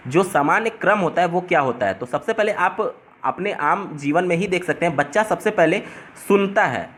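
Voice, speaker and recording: A man's voice: high voice, a bit bright, slight background noise. A man working through an exam paper as a tutor, explaining step by step and restating each term in simpler words.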